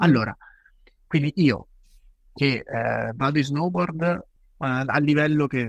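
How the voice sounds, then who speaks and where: Vocal fry runs through this man's medium-pitched voice, which has lively intonation. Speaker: podcast host. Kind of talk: casual interview chat.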